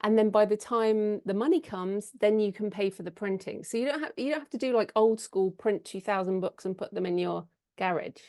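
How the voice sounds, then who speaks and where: A woman with a British accent talks at a fairly quick pace, her fairly high voice carrying a dark, mellow tone. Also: ordinary pitch variation. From England. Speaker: author. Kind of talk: podcast interview.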